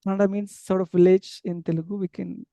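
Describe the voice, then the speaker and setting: A man with an Indian English accent and a mellow, soft-edged tone, talking through his answers in a loose, hesitant way with lots of fillers and restarts. His first language is an unwritten tribal tongue. The recording is dry and close, with no room echo. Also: sits high, level tone, fairly quick, gravelly. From Andhra Pradesh, India. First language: tribal language without a script. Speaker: interview guest, English teacher abroad. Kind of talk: casual interview conversation.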